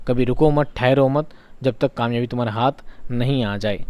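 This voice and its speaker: A man's voice: mid-range voice, a little mellow, dry recording. A male teacher giving an exam revision lesson, asking questions aloud and repeating each key answer for his students.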